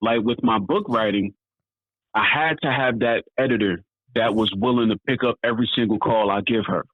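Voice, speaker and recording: A man in his thirties, an author and entrepreneur, chats casually as an interview guest. His voice is medium in pitch and moderately paced, and the dry recording sounds thin and band-limited like a phone line.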